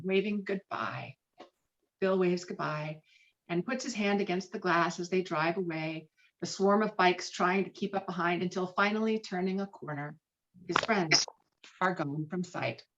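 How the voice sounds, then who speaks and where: A woman's voice: lowish voice, moderate pace, fairly bright tone. A woman reading screenplay stage directions as a narrator, in scripted narration over a video call. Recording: dull, lo-fi online call audio.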